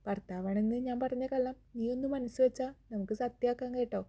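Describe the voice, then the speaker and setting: A woman's voice: on the high side, fairly even intonation, a little fast, warm tone. A woman reading the lines of a brave young man who protects his family and teases the woman he loves, in an audio romance story. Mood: teasing. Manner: playful and tender.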